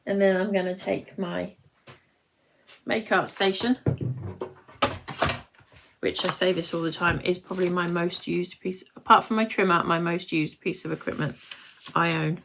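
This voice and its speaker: A British woman of nearly fifty presents a craft tutorial in a slightly low-pitched voice. She talks casually and wanders between instructions and chat with viewers. There is some light noise behind her. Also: steady tone, measured pace, gravelly, fairly bright tone. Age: late 40s, nearly fifty. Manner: chatty, rambling, breaks off to greet viewers.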